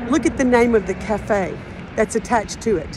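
A woman with a Southern US accent and a warm tone speaks at a fairly high pitch and moderate pace with ordinary pitch variation, over noticeable background noise. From US South. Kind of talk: devotional talk to viewers. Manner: warm, earnest, encouraging. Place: street. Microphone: phone near.

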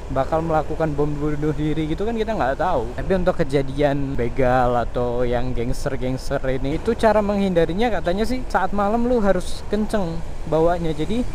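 Amid noticeable background noise and audible room echo, a man speaks with a fairly high pitch and lively intonation. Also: fairly quick pace. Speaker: motovlogger. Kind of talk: vlog monologue while riding. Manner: casual slangy.

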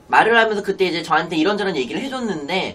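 Noticeable background noise behind a woman's fairly quick speech. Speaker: internet broadcaster. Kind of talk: casual chat. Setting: live stream. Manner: animated. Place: home room. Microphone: studio mic.

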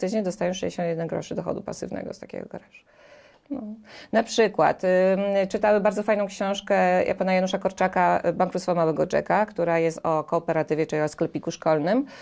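A woman speaking at a very fast pace against a quiet background. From Poland, Podkarpacie region; Poland. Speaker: personal finance expert; guest. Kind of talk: casual interview. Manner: halting, many fillers. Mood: engaged, explanatory. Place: studio. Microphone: lapel.

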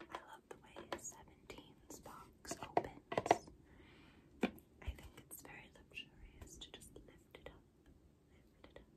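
Whispering, a woman speaks at a very slow pace. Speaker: ASMR creator. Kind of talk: ASMR whisper video. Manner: whispered, soft. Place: home room. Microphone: phone near.

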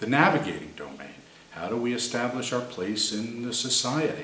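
A man speaks at a moderate pace, his voice carrying audible room echo over light background noise. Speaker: teacher explaining a personality model. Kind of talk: interview answer. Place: home room.

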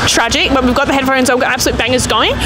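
A woman talks with loud background noise all around. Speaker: fitness vlogger. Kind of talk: casual vlog chat. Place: gym. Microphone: handheld.

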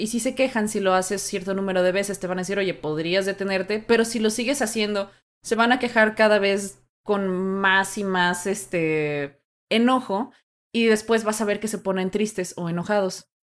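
A woman speaks at a moderate pace with a medium pitch, on a very clean recording with a silent background. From Mexico City. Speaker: game producer and streamer. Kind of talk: casual chat.

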